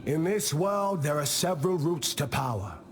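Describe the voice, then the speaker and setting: An actor playing a wise old tribal diplomat in a video game, speaking in a measured, solemn and philosophical way, calm and patient with a gently stern edge. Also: male voice, fairly high pitch, lightly acted. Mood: measured, teaching. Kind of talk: scripted video game character monologue. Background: music.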